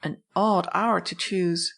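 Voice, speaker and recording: A woman voicing a proper, haughty society matron in an audiobook, with expressive delivery. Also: lowish voice, normal speed, husky, full character voice. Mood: cool, cross. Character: haughty, cool society matron, Mrs. Beekman.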